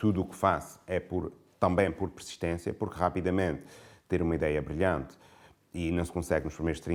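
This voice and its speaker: A man with an Azorean accent, very deep, low pitch, fairly even intonation and a fairly quick pace. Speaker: airport director. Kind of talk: interview answer.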